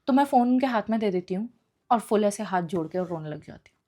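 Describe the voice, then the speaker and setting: A woman's voice: mid-range voice, fast talker. Young woman's emotional storytime. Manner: mixes English phrases into her speech; emotional, expressive retelling. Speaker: vlogger telling a personal story. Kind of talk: casual storytime monologue.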